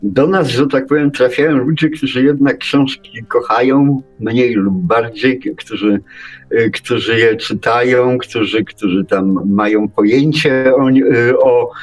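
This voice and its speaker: Slow, halting man on radio. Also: mid-range voice, faint music behind, poor audio. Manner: halting, philosophizing, many false starts. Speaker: radio show co-host. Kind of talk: casual live radio chat.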